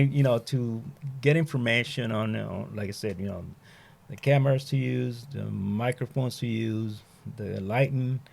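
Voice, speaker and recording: Gravelly middle-aged man, retired firefighter, loose rambling storyteller who keeps saying "you know". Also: on the low side. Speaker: retired firefighter and fire training instructor. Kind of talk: casual conversation.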